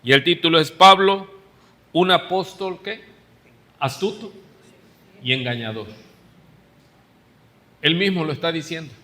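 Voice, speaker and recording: Mexican male pastor, slow deliberate delivery, fairly high bright voice, church reverb. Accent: Mexican Spanish. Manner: preaching with rhetorical questions to the congregation. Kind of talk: sermon.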